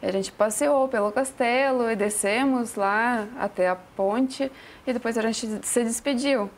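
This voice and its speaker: A woman with a Russian accent chats as a guest on a TV talk show. Her voice sits a little high. She keeps her phrasing simple and searches for words in a language that is not her first. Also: a little slow. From Russia, Ural Mountains. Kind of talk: casual interview answers. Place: TV studio.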